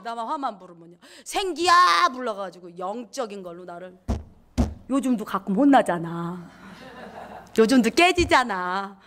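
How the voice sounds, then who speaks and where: A woman pastor preaching a lively sermon, acting out inner voices and repeating words for emphasis. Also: mid-range voice, moderate pace, background noise.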